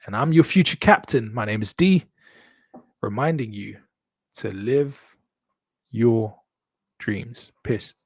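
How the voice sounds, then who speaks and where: A man's voice: medium pitch, takes it slowly, pauses often, breathy edge, no echo. A man with a Kenyan accent, born in Congo and raised in Kenya, hosting a live show and signing off to his viewers in an upbeat, joking way, often repeating his phrases. English is not his first language. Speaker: host.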